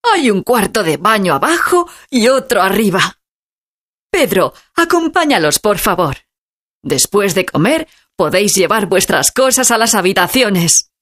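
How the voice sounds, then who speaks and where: A woman voicing a cheerful, bustling old grandmother who talks loudly. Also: medium pitch, very animated, a little slow.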